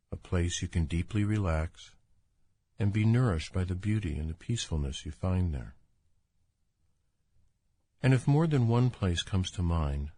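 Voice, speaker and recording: A man leading a guided imagery relaxation as a doctor, speaking in a calm, soothing, unhurried manner. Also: deep voice, husky, dry recording. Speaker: doctor guiding a relaxation exercise.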